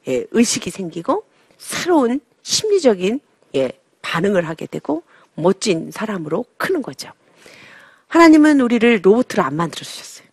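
A woman's voice: medium pitch, darkish tone, husky, dry recording, clean studio sound. A middle-aged woman giving a sermon-style lecture on raising children, who acts out the voices of babies and mothers. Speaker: Christian parenting speaker.

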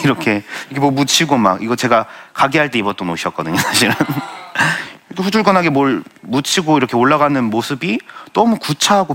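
An earnest young man with a medium-pitched voice shares a bright Christian testimony, followed by audience Q and A. He tells his story in a self-deprecating way, with light laughs along the way.

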